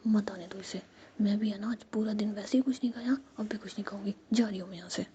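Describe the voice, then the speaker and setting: A woman's voice: mid-range voice, fairly even intonation, fast, warm tone, dull audio, a little hiss or hum, lightly acted. A woman whispering the lines of an angry, hurt young woman in a told story, snappish and sulking.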